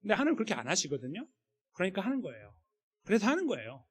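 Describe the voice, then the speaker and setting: Brief: male pastor mid-sermon, chatty and animated, fairly high voice, long church reverb. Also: very fast, husky. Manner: conversational, acts out quoted voices. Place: church sanctuary. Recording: echoey church hall.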